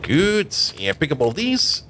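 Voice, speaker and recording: A man's voice: on the high side, wildly swooping pitch, unhurried, sharp tone, slight background noise. A man from Germany whose first language is Dutch, chatting casually on a live gaming stream and laughing often between remarks. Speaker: game streamer.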